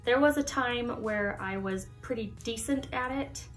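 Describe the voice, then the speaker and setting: A young woman from the United States chatting casually to the camera in her vlog, lively and laughing often. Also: on the high side, measured pace, soft background music. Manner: chatty, laughs often, animated hand gestures. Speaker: YouTuber. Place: Halloween-decorated room indoors.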